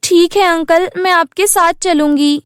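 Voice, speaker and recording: A woman's voice: very high-pitched, fairly even intonation, measured pace, background noise. A woman voicing a meek, polite orphaned young girl in a children's cartoon story. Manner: polite, submissive.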